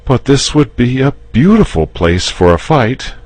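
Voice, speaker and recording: A man's voice: lowish voice, very animated, slow pace, dry recording, pitched above the performer's own voice, exaggerated voice. A man voicing a confident, patient knight in a storybook reading, raising his voice and coaxing. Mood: persuading. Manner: persuasive, patient.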